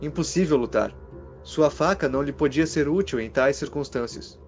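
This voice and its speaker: A man's voice: a little high, moderate pace, faint music behind. A man narrating a scripted horror story.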